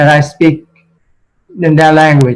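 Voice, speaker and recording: A man talks with a Vietnamese accent and a fairly high pitch. His intonation is monotone and flat. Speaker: ceremony participant signing treaty. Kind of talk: ceremonial speech. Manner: halting.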